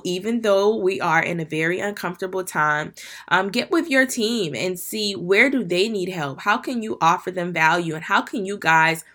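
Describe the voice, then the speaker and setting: A woman's voice: fairly low pitch, fairly bright tone. A young adult woman hosting her own podcast, sounding stuffy and congested from allergies, coaching her listeners earnestly and calling them "you guys". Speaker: podcast host. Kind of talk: solo podcast talk to listeners.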